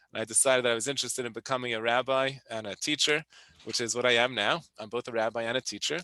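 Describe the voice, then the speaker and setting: Speaking at a very fast pace, a man uses a New York accent at medium pitch with fairly even intonation. His tone is bright and sharp, and the sound is dry and close with no echo. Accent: New York American. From US, Brooklyn, New York. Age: 40s. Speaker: rabbi and teacher. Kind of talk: interview.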